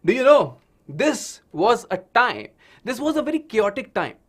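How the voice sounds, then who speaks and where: A male science teacher with an Indian accent, a native Hindi speaker, gives a lesson to children. His voice sits high and swings widely in pitch. He builds things up like a dramatic story and often checks in with short questions. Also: very animated, unhurried, a bit bright. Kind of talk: animated online lesson for children.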